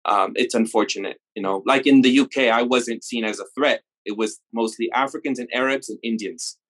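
A man's voice: medium pitch, fairly quick, fairly bright tone, rough recording. A man from Mexico in casual conversation, rambling and laughing as he tells stories, often cutting himself off mid-sentence. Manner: rambling, self-interrupting, laughing storyteller.

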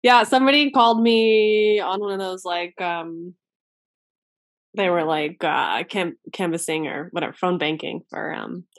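A woman co-hosting a casual chat, telling stories in an animated way with lots of "like" and quick asides. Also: on the low side, dry recording. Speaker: podcast co-host.

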